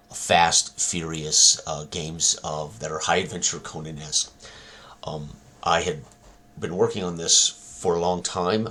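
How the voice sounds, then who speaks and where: Very deep, halting man. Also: a bit bright, husky. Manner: halting, many ums and uhs. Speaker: tabletop game designer. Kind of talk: casual talk presenting his own game.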